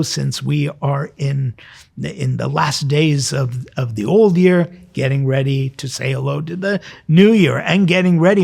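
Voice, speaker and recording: A man's voice: a little high, creaky, darkish tone. A man speaking as a priest and programme host, giving an informal sermon in a conversational way with direct questions to his listeners. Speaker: priest hosting a weekly devotional programme. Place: recorded in a cathedral choir loft.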